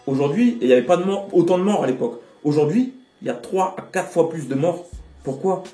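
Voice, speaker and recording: A fairly high-voiced man from French Guiana speaks out in an interview with passion and emphasis. His tone is mellow rather than bright, and he sits some distance from the mic in an echoey room, with faint music playing under him. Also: a little fast. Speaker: rapper interviewee.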